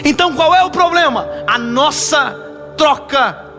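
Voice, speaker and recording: A young man preaching in Brazilian Portuguese, telling a story and swinging from rising emphasis to low, hushed lines. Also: animated, measured pace, soft background music. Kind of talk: sermon with a story.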